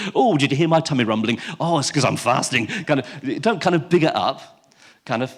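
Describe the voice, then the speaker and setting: With a northern English accent, a man speaks at a moderate pace. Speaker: church leader, preacher. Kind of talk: sermon. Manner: conversational, halting with repeats.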